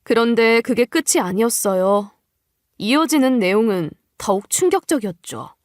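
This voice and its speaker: A woman storyteller reads scripted first-person narration in a fairly high voice. It is a dramatic personal account, recorded very dry and close. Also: lively intonation, normal speed, no room sound.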